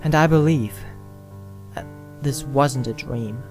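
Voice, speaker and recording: A narrator reading a scripted first-person story in short phrases with frequent pauses. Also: medium pitch, rough recording. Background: music with guitar and piano.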